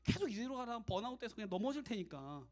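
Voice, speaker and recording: A man preaching a casual, conversational sermon to young adults as their youth pastor, animated and direct. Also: high voice, fast.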